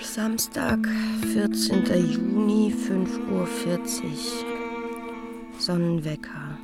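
A woman's voice: mid-range voice, takes it slowly. An actress in a stylised radio play, playing a woman who calls out terse scene captions in clipped phrases. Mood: terse announcing. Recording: studio radio play under loud music.

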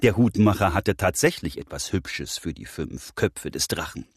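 A man narrating a children's fairy tale in an animated storytelling voice. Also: sits low, normal speed, breathy edge, no echo, studio quality. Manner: animated, voicing all characters.

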